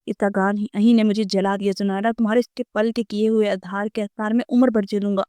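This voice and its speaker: A woman's voice: mid-range voice, flat delivery, brisk, warm tone, dry recording, natural voice. A teasing, outspoken young man from a romance storybook, as a woman reader puts him on. The voice rises above her usual talk and is read close and dry, with no room sound around it. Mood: bitter. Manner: emotional storybook reading.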